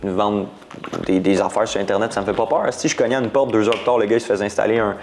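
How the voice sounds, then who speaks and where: Man, twenties, Quebec French accent, lowish voice, casual rambling talk, slang and English words. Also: fast, a little mellow, a little hiss or hum. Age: 20s. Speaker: guest entrepreneur. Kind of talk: casual interview.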